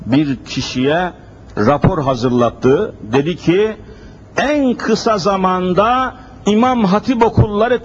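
A man's voice: on the high side, husky. A man preaching a sermon at a pulpit microphone, emphatic and full of repeated rhetorical questions. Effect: speaking at a pulpit microphone. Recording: dull lo-fi recording with faint hiss.

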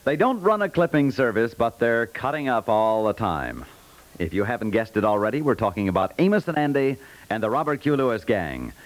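Male American announcer, medium-pitched and animated, for a scripted 1950s radio promo.

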